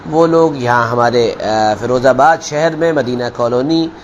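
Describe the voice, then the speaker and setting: A man preaching as a Muslim cleric, telling parables and admonishing deliberately, repeating phrases for emphasis. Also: mid-range voice, highs cut off, a little hiss or hum. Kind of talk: sermon with storytelling parable.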